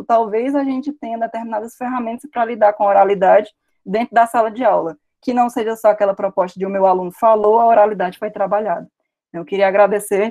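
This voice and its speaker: A woman's voice: fairly high pitch, warm tone. A woman with a Brazilian Portuguese accent giving an academic lecture over a video call, explaining step by step and posing rhetorical questions. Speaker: university lecturer.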